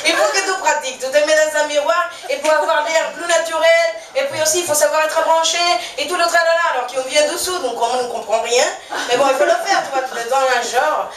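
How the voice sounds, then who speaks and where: A high-pitched young woman with a Venezuelan Spanish accent performs stand-up in a chatty, self-mocking way, laughing along with her own jokes. Her voice is caught from far off in an echoey room. Steady noise sits under the whole recording. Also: a little fast. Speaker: stand-up comedian. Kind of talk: one-woman stand-up show. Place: stage in a small venue with a live audience.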